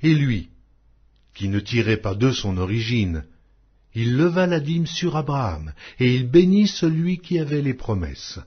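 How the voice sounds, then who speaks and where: A man reading scripture aloud as an audiobook, in a solemn, measured, declamatory way. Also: medium pitch, very animated, slightly rough, lo-fi sound. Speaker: audiobook Bible reader.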